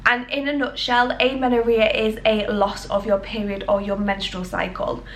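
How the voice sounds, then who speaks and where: A young woman with a British accent talks straight to camera in a chatty, rambling, reassuring way. A cold leaves her sounding stuffed up and nasal, and her voice sits a little high. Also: level tone, moderate pace, a little hiss or hum. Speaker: health vlogger. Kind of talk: casual talk to camera.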